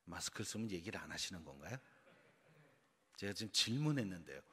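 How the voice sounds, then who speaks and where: This pastor from Seoul, South Korea, delivers an early-morning sermon in a church sanctuary, engaging the congregation with quiz questions amid long reverb. He speaks in a deep, slightly rough voice that is very animated, quick, and sharp in tone.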